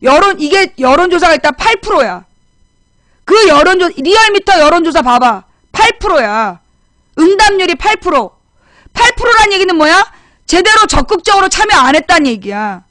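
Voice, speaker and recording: A woman's voice: extremely high pitch, big pitch swings, moderate pace, fairly bright tone, no echo. A woman hosting a political talk show, chatting bluntly and scolding, repeating her points for emphasis. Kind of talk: casual political commentary chat.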